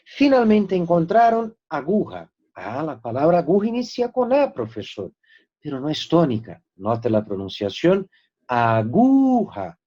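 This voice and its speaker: Lively male Spanish teacher. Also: fairly high pitch. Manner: lively, emphatic, slows down to spell out example words. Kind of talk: recorded classroom lesson. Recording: dull lo-fi recording.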